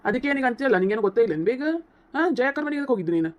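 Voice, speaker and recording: A woman's voice: on the high side, lively intonation, very fast, close to an everyday voice. A woman voicing a heated young husband in a cartoon comedy, scolding and lecturing insistently, with a North Karnataka Kannada accent. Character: heated young husband defending his wife against his mother.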